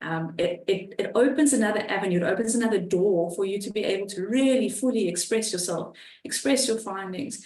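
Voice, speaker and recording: Over noticeable background noise and audible room echo, a woman speaks at a medium pitch and a fairly quick pace with hardly any pauses and ordinary pitch variation. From South Africa. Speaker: statistics presenter. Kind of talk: webinar presentation. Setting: online webinar.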